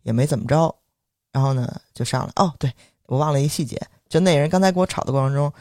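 Young man, rapid animated storytelling, rather high voice, dry close sound. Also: no echo. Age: young adult. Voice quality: heavy erhua, quick lively delivery. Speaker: podcast co-host. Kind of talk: animated storytelling, casual chat.

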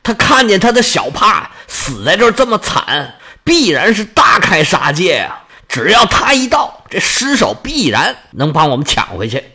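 A man's voice: high voice, very animated, moderate pace, few pauses, sharp tone, slightly rough, heavily acted. A man voicing a tense, dutiful male warrior who speaks earnestly. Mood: urgent.

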